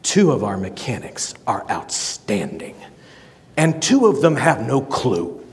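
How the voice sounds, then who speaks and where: A man voicing a calm middle-aged male car mechanic who speaks slowly in a low, reassuring drawl. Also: long reverb tail, exaggerated voice.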